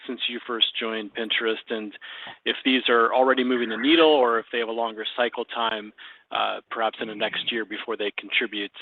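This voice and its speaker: Male financial analyst, monotone and wordy, calling into an earnings call, thin telephone audio. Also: mid-range voice, dry recording. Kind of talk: asking a question on an earnings call. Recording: dry narrow phone line.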